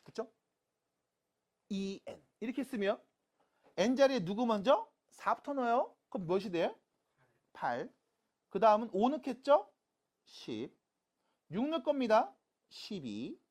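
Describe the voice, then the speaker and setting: A math teacher lecturing high school students in a playful way, asking questions and answering them, with silly sound effects while writing. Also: darkish tone. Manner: talks students through writing on a board.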